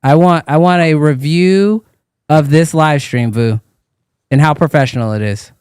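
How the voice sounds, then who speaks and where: Casting: male co-host, high bouncy voice, dry close sound, teasing banter. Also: measured pace, darkish tone, clear, resonant tone, no room sound. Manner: playful teasing, calls people bro. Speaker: live stream co-host. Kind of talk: casual banter.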